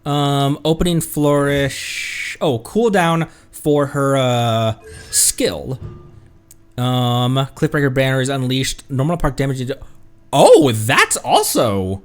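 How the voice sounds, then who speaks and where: A man's voice: medium pitch, big pitch swings, slow pace, soft background music. A man chatting casually on a live game stream, thanking viewers and laughing often.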